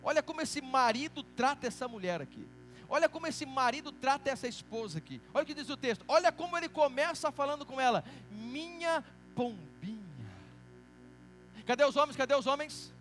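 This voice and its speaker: A man preaching a sermon in church with a Brazilian accent, animated and teasing as he calls on the congregation to answer back. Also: very high-pitched, fast, soft background music. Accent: Brazilian Portuguese. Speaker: pastor.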